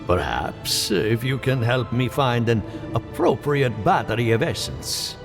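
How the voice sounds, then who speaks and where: An actor playing a courteous, preoccupied researcher in a fantasy game, speaking formally and articulately. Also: male voice, mid-range voice, lively intonation, unhurried. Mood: thoughtful, instructive. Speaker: game character. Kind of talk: scripted video game dialogue. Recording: game music behind the voice.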